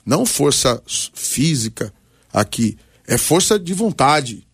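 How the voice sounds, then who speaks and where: A man's voice: medium pitch, very animated, slow pace, husky, dry recording, clean studio sound. A Brazilian man in his forties, a pastor giving personal testimony and exhortation on a talk programme in short, emphatic, preacherly phrases. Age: 40s. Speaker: pastor, guest on a radio debate.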